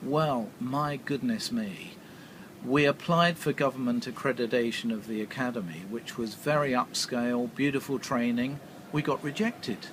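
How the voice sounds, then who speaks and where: A man with an English accent speaks at a moderate pace, his medium-pitched voice showing ordinary variation in pitch. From England, Kent. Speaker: businessman, hairdressing entrepreneur. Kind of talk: interview storytelling. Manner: halting with fillers.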